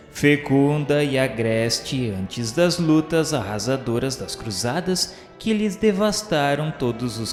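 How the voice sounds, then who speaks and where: Long reverb and music surround a man narrating a religious radio play. His mid-pitched voice moves very slowly through ornate prose, reverent and declamatory. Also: a little mellow. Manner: reverent, declamatory, literary delivery. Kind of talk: solemn scripted radio drama narration. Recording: echoey hall-like reverb with music.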